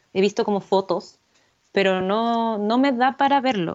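Delivered at a fairly slow pace, this voice has lively intonation and a Chilean accent. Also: woman. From Santiago, Chile. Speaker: university student. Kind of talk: casual chat.

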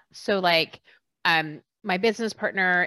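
A woman speaks in a normal speaking voice with an American accent, her pitch medium and her intonation fairly even. She talks at a moderate pace against a quiet background. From United States. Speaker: podcast host, career consultant. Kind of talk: interview.

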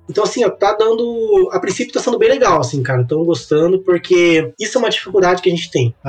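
A man talks very fast at a high pitch, with hardly any pauses. His intonation is lively over noticeable background noise. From Brazil, Paraná (São José dos Pinhais). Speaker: startup sales director. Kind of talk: casual chat.

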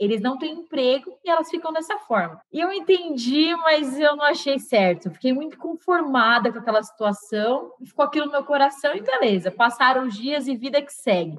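A high-pitched woman's voice with very wide pitch swings, a moderate pace and hardly any pauses. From Brazil, Guarulhos (São Paulo). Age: 20s. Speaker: social entrepreneur and NGO founder. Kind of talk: podcast interview. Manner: animated.

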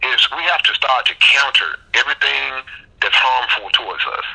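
A voice with a Memphis accent against noticeable background noise. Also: man. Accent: Southern US, Memphis. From Memphis, Tennessee, US South. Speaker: poet. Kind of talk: casual interview. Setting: phone call.

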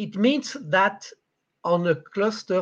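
A man speaks in a French accent. His intonation is lively. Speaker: vine physiology professor. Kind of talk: lecture. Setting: video call.

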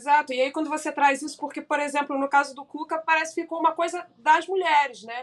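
A woman's high-pitched voice at a very fast pace, fairly even intonation, hardly any pauses and big swings in loudness. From Rio de Janeiro, Brazil. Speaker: podcast host, sociologist and psychoanalyst. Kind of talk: interview.

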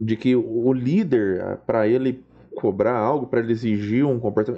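This man has an unremarkable speaking voice at a medium pitch. He keeps a moderate pace with ordinary pitch variation. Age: 30s. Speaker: podcast host, history student. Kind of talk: casual interview chat.

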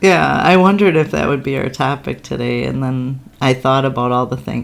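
Moderate-paced speech from a woman with a very deep, low voice, noticeable background noise behind it. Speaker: occupational therapist and mother of host. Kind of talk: casual chat. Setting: home bedroom.

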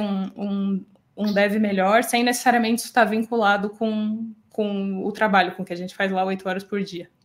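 Here a woman uses an ordinary speaking voice with a fairly high pitch, fairly even intonation and a moderate pace. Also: very clean recording, silent background. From Santa Catarina, southern Brazil (Criciúma). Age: 30s. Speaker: software engineer. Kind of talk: casual interview.

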